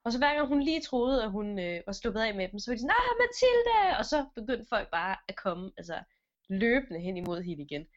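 A woman's voice: medium pitch, animated. Woman telling a story, lo-fi sound. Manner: casual, many fillers, acts out voices. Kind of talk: improvised storytelling. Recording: dull lo-fi recording.

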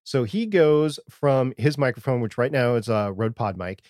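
A man with a mid-pitched, quiet and somewhat muddled voice co-hosts a podcast. He talks casually about audio gear, and the sound is dry with no room echo. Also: normal speed. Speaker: podcast co-host.

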